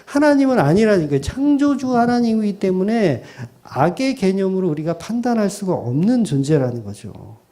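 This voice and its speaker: A male pastor with a high-pitched voice delivers an expository sermon at a moderate pace, barely pausing. He preaches in an animated way, putting questions to the congregation and acting out imagined voices, then suddenly dropping into soft asides.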